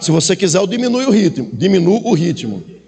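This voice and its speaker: Noticeable background noise accompanies a man speaking at a moderate pace with lively intonation. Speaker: pastor. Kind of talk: sermon. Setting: church. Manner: animated.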